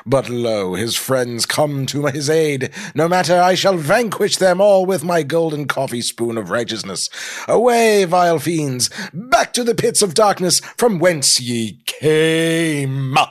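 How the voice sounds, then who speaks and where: Grandiose hero knight, raised pitch, sweeping theatrical declamation, comic read. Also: male voice, animated, measured pace. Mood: heroic defiance. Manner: theatrical, declamatory mock-archaic speech. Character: dashing, grandiose storybook hero knight, bold and righteous.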